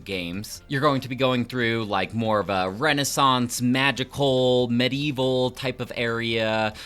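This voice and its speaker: A man's voice: medium pitch, unhurried, fairly bright tone, clean tone, soft background music. A man giving a casual, conversational video game review with frequent fillers.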